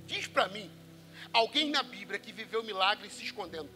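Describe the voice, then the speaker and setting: Man, Brazilian Portuguese accent, pastor preaching, very high voice, sharp bright tone, soft music behind. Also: lively intonation, moderate pace. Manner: preaches with big swings from loud calls to hushed, dropped lines; acts out quoted voices of church members and Bible figures. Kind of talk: sermon. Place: church service.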